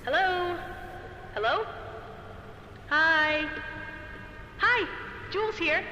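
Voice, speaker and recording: Eager, hopeful woman, sci-fi audio drama. Chatty thinking aloud, animated intonation, echoey noisy recording. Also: very high-pitched, extremely slow, exaggerated voice. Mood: bright, hopeful. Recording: echoey reverberant space, clear background noise.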